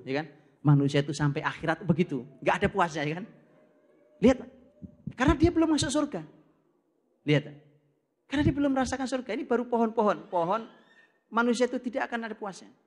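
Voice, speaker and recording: Animated man preaching to a congregation. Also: a little high. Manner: lively, often addresses the audience directly; acts out dialogues in a storytelling way. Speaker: Islamic preacher. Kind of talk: Quran study talk.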